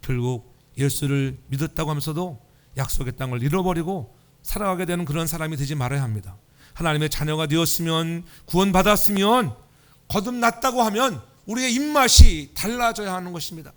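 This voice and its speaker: Chatty Korean pastor, a bit high-voiced. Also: male voice, expressive, brisk, a bit bright. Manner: conversational preaching that asks the congregation for responses; humorous storytelling. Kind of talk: Sunday sermon. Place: church sanctuary.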